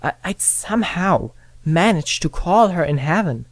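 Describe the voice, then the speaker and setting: A narrator reading a scripted first-person story in short phrases with frequent pauses. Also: medium pitch, expressive, no room sound. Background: music with guitar and piano.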